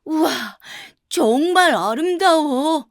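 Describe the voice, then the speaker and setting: Lady doing a tiny forest bird, squeaky high, exclaiming and blunt, kids story style. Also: expressive, slow, no echo, clean studio sound, heavily acted. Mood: amazed. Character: chattering small forest birds, wide-eyed and frank.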